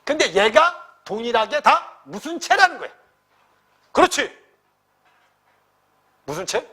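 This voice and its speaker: A man's voice: very high-pitched, sing-song, unhurried, sharp tone, husky. A man teaching a Korean grammar exam-prep lecture, checking in constantly with the listener and acting out students' questions and sample sentences.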